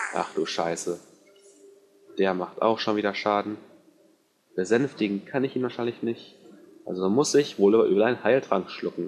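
With long, frequent pauses over light background noise, a man talks at a moderate pace in a fairly low pitch with ordinary pitch variation. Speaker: gaming video creator. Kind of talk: let's play commentary. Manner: previously too quiet, now trying to speak louder. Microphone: background hiss removed, sound slightly distorted.

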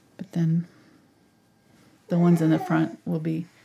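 A soft-spoken woman, fairly low-pitched and monotone, at a fairly slow pace over light background noise. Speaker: painting teacher. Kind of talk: live painting tutorial.

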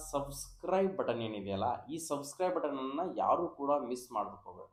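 A man's lively intonation comes through noticeable background noise and audible room echo. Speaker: career guidance video creator. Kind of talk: tutorial. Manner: informal.

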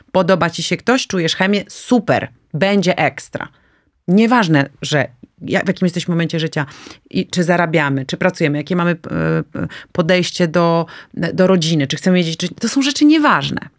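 Against a quiet background, the speaker talks at a moderate pace with lively intonation. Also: woman, fairly low pitch for a woman. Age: 40s. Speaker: style mentor and educator; educator. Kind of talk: casual chat. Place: studio. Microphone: studio mic.

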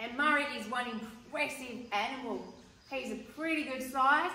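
The voice is raised and projected, with fairly even intonation and audible room echo. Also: woman. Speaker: presenter. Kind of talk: casual educational commentary. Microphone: phone near.

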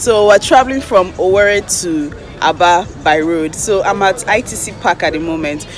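Over clear music in the background, a woman talks at a fairly slow pace with ordinary pitch variation and a dry sound with no echo. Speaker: travel vlogger. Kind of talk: casual vlog chat. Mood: cheerful, chatty. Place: station. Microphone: phone near.

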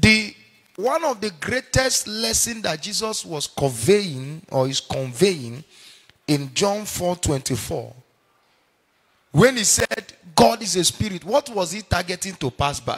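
The man talks very slowly. Behind him, the setting is quiet. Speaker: guest preacher. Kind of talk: sermon. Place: church. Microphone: handheld.

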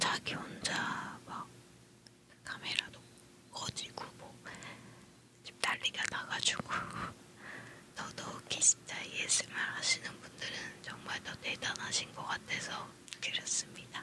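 Whispering in a calm tone, a woman talks very slowly with long, frequent pauses and big swings in loudness. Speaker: ASMR YouTuber / beauty content creator. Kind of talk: ASMR whispering product introduction to camera. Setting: close microphone, studio/home recording. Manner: soft, whispery, calm. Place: home room. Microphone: studio mic.

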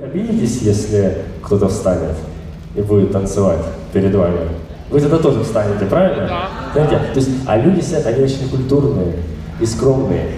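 A man at a moderate pace with long, frequent pauses, over noticeable background noise and audible room echo. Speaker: concert host. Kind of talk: stage banter to audience. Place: hall.

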